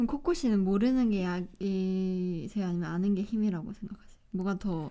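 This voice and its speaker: Speaking at a fairly quick pace, a woman with a medium-pitched voice has a dark, mellow tone and ordinary pitch variation. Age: 20s. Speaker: radio show DJ and K-pop idol. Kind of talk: casual radio talk show chat.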